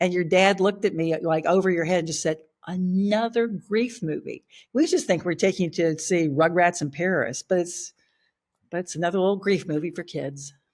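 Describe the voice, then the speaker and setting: A normal speaking voice from a woman, fairly low in pitch with ordinary pitch variation, in an American accent, on a very clean recording with a silent background. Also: fairly quick pace. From Virginia, US South. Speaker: pastor. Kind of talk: casual chat.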